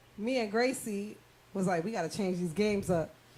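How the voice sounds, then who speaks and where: The voice moves at a fairly quick pace with lively intonation. Noticeable background noise sits behind it. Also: woman. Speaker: radio host. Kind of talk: casual chat.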